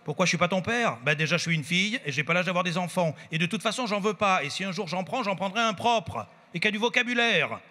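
A bossy, insolent little girl, as a man reads her out from his play snaps and mocks in a high, bright voice. She scolds loudly and breaks into sudden shouts. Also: lively intonation, fast talker, hardly any pauses, big-room sound. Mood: mocking. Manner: mocking, bossy, bursts into shouts. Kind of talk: author reading his own play aloud.

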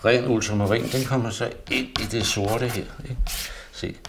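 In a very noisy recording, a man shows how he makes a pastel drawing, musing aloud in a fairly even, medium-pitched voice. He rambles, talks to himself, and often lets his words fade to a near mutter.

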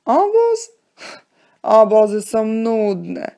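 A woman's voice: on the high side, big pitch swings, extremely slow, creaky, mellow, exaggerated voice. A woman voicing a pushy, scornful young boy in a children's story. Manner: insistent, scornful.

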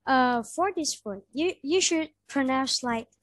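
A woman tutor with a Vietnamese accent works through English pronunciation over a video call. Her voice sits a little high and she talks slowly and patiently, repeating each word. The sound is dry and close. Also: lively intonation, a bit bright, dry recording, rough recording. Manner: patient, models words slowly and repeats them. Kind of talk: online pronunciation lesson.

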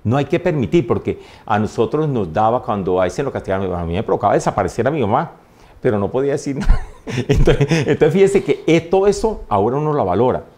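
A man, a priest, telling stories in a warm way and often laughing during an interview. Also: mid-range voice, big pitch swings, quick pace. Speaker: priest, guest. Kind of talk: interview anecdotes. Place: TV studio.

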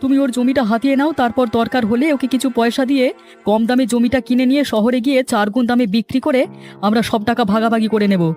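A man's voice: very high voice, fairly even intonation, fast, darkish tone, soft background music. A man voicing a greedy, scheming village swindler in a cartoon, boastful and gloating. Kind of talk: dramatized cartoon villain dialogue.

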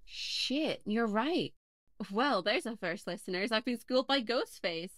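A lively young podcast host. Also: female voice, on the high side, a little slow, no room sound, clean studio sound. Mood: wry. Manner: wry, then panicked and sobbing. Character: lonely young woman podcast host, terrorized. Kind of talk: audio play acting.

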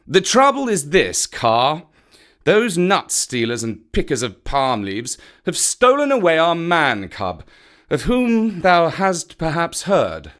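Storybook role: a man voicing a sly black panther, sweet and mocking, slow, lively pitch. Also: heavily acted.

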